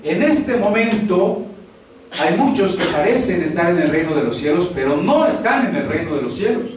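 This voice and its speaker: Male pastor, sermon, high-ish voice, far from the mic in a very echoey hall. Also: lively intonation, moderate pace, slight background noise. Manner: conversational preaching with rhetorical questions. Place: church hall.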